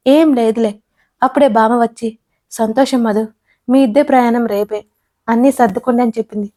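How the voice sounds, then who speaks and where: A woman's voice: a little high, fairly even intonation, brisk, dark tone, close to an everyday voice. A woman voicing a timid hesitant young woman. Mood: nervous. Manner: hesitant, nervous. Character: timid teasing young woman, sister-in-law.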